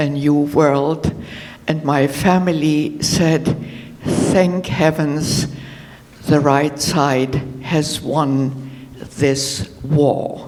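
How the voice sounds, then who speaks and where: A woman's very deep, low voice in a German accent, at a very slow pace with fairly even intonation, with noticeable background noise and audible room echo. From Germany, Berlin. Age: 80s+. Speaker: audience member asking a question. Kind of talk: conference Q&A question. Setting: conference hall with audience. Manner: halting.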